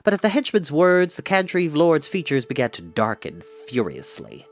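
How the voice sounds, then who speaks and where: A man reading a fantasy novel aloud in an expressive narrating style. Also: on the high side, normal speed. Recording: music behind the voice. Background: background music.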